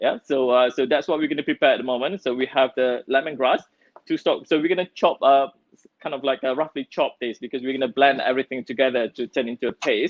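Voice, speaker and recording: A man's very fast delivery at medium pitch, with fairly even intonation. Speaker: chef. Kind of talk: cooking demonstration. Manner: halting, many fillers.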